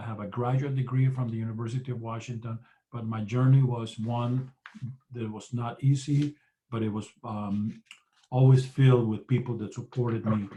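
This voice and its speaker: Somewhat breathy and dark, mellow in tone, a man's medium-pitched voice moves at a moderate pace with monotone, flat intonation and big swings in loudness. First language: Spanish. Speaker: public agency director, guest speaker. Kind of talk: graduation speech. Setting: video call.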